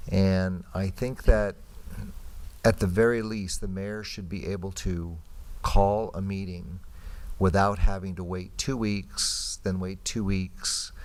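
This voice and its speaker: A middle-aged or older man with a deep voice argues a point in a council discussion. He is plain-spoken and emphatic, often restating himself. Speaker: council member and former mayor. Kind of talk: informal argument in council discussion.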